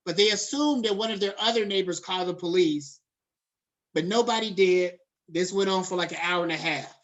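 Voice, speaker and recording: A middle-aged man lectures his students in an easy, conversational way. He mixes textbook terms with relaxed slang and talks to the class directly. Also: high voice, brisk, highs cut off. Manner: conversational, drifts into casual slang. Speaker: college lecturer.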